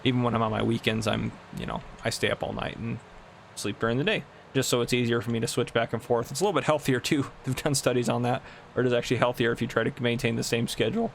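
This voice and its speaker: In his twenties, a gaming channel host chats casually at home while playing a farming game, rambling and laughing a lot. His mid-range voice keeps a level tone and moves fast, with vocal fry and a faint hiss or hum on the recording.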